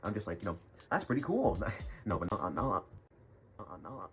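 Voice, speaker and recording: A man's voice: sits low, very animated, normal speed, creaky. A young man telling a rambling school story in a casual vlog, full of jokey, self-mocking asides. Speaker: YouTuber. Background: music.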